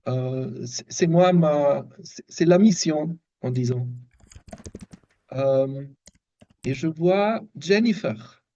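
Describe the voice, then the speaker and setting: Very slow, halting man with German accent. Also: a little high, dark tone, lo-fi sound. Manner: halting, searching for words. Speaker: workshop participant, systemic design researcher. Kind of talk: slow, thoughtful remarks in a second language. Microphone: video call microphone.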